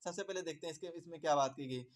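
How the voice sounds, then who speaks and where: A man's voice: on the high side, rapid-fire. Man teaching exam prep, repetitive. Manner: repeats points, asks then answers own questions; calls viewers "my dear brother".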